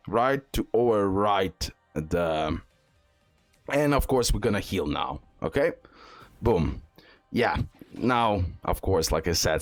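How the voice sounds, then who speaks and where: Low-voiced man doing casual game commentary. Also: dry recording. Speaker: gaming content creator. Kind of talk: casual off-the-cuff gameplay commentary.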